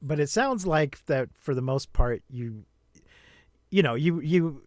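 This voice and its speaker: Relaxed, musing podcast host, dry sound. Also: mid-range voice, measured pace, no room sound. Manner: relaxed, musing, with brief backchannels. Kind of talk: casual conversation.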